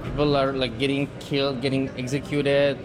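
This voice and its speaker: A man's voice: mid-range voice, little pitch movement, normal speed, crowd noise. A man speaking hesitantly and with lots of filler words about feeling torn. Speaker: sports fan.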